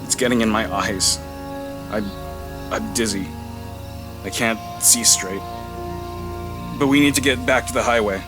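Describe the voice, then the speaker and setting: A man playing a shaken, injured crash survivor trying to rescue a friend in an audio drama, halting and strained. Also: lowish voice, music in the background, natural voice. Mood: dazed, strained. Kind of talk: naturalistic audio drama acting.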